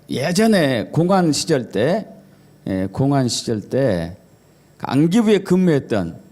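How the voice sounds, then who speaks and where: A male pastor delivers a Sunday sermon with a lively, swooping delivery. His voice is fairly high yet mellow and warm, and he tells jokey stories, slipping into playful imitations of regional dialects. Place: church service.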